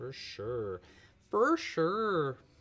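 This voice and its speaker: In a put-on character voice at middle pitch, the speaker makes very wide pitch swings. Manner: relaxed, easygoing.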